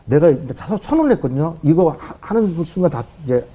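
A middle-aged man tells a story from his past as a talk show guest. His husky, darker voice swings widely in pitch. He talks fast and acts out the voices and thumping sounds in the story. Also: very animated, dark tone. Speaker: guest telling a life story.

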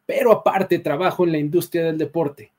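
Husky man asking winding questions. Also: on the high side, fairly even intonation, moderate pace, darkish tone. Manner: long, winding questions with filler tags. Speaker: co-host. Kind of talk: casual interview questions.

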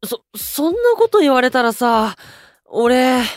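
A man's voice: very high voice, sing-song, takes it slowly, no echo, full character voice. Boyish young male idol: impulsive, exuberant, slangy, straightforward, close dry studio sound for audio drama. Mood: earnest, flustered. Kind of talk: anime-style audio drama acting.

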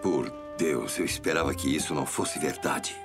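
A 1940s Brazilian police detective in a noir audio drama. His voice is very deep, grave and authoritative, with faint music behind it. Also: moderate pace, vocal fry.

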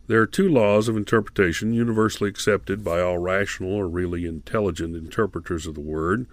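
A man hosting a Christian radio devotional program, speaking in a measured, deliberate way as he announces and teaches, repeating details for listeners. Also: low-pitched, steady tone, no room sound. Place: radio studio.

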